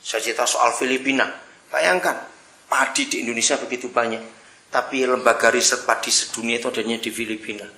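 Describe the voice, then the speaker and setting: A middle-aged man delivers a sermon in a forceful, bright tone, telling stories to his listeners. He calls out to them often and swings from emphatic outbursts to soft asides. The recording is roomy with a clear echo. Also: mid-range voice, fairly even intonation, a little fast. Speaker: preacher.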